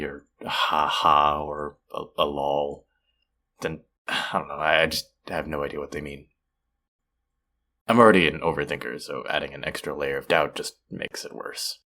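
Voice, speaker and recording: A male actor performs an awkward young man with a deep voice in an intimate, one-sided audio drama. He is sweet and apologetic, talking as if on a phone call. His delivery is hesitant and rambling, full of self-deprecation. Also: sharp tone, heavily acted.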